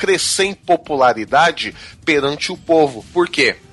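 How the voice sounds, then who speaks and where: A man with lively intonation speaks at a fairly slow pace over noticeable background noise. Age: 30s. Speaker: podcast co-host. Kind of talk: casual chat.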